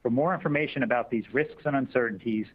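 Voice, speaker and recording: Businesslike guy reading corporate disclaimers on an earnings call, medium pitch, bit lo-fi. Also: quick pace, breathy edge. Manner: formal, businesslike. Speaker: investor relations executive. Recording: dull lo-fi conference call audio.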